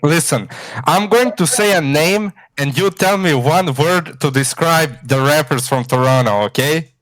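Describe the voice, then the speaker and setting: A man's voice: a little high, unhurried, a bit bright, rough recording. A man from Bosnia, a longtime fan joining a live stream, talking eagerly in slang. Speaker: fan calling in. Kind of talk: excited fan chat.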